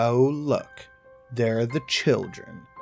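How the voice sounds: Using a put-on, wheezy character voice, a man speaks at a medium pitch with fairly even intonation while faint music plays in the background.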